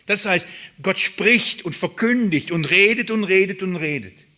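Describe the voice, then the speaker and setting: Bright-voiced preacher man, emphatic questions. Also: high-pitched, unhurried. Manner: emphatic, searching pulpit delivery with rhetorical questions. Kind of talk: expository sermon.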